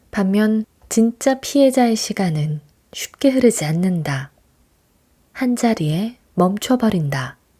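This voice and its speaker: On a very clean recording with a silent background and dry, close sound with no echo, a woman speaks at a very slow pace in a dark, mellow, somewhat breathy voice with a calm, soothing tone and lively intonation. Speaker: audiobook reader. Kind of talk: essay reading for sleep.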